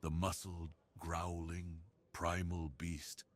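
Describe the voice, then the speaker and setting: A man voicing a brooding, lonely gay werewolf who longs for love, speaking intimately and confidingly in an ASMR roleplay, with a low, husky, breathy voice. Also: monotone, slow pace. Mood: brooding, wistful.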